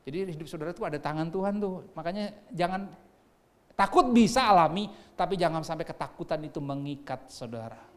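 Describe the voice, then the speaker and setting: An Indonesian-accented male pastor delivers a sermon in a slightly high voice. He swings from loud, urging exhortation to soft, hushed, fatherly tones. He breaks into sung phrases and asks the congregation questions. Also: expressive, fairly quick.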